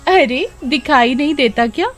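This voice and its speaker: एक औरत बच्चों की कहानी में ताने मारने वाली गांव की लड़कियों की आवाज़ कर रही है, जो मज़ाक उड़ाते हुए बोलती हैं।. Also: female voice, high voice, expressive, measured pace, fairly bright tone, faint music behind, pitched above the performer's own voice. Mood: taunting. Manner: taunting, sneering. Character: mocking teenage village girls. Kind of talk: children's storybook voice acting.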